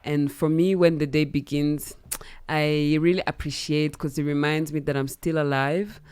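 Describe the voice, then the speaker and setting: Low, smooth-voiced young Rwandan woman. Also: fairly even intonation, moderate pace, darkish tone, no echo. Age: young adult. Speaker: musician guest. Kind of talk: radio interview, casual chat. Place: radio studio. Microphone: close studio boom mic.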